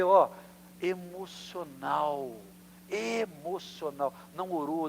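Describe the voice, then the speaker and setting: A man from Brazil preaching a sermon as pastor, animated and storytelling, acting out quoted voices. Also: fairly high pitch, long reverb tail, a little hiss or hum. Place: church.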